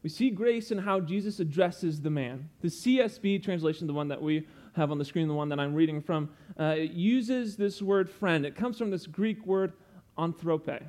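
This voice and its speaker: A man's voice: fairly high pitch, moderate pace, few pauses, darkish tone. Earnest young man preaching a sermon. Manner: earnest, explanatory, teacherly asides.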